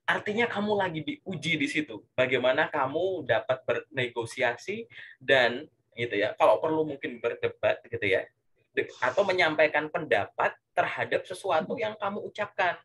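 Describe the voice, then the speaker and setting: Husky guy coaching about job interviews, kinda high voice, keeps asking rhetorical questions. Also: normal speed. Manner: animated, leans heavily on filler tags. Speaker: career coach. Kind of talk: casual coaching chat.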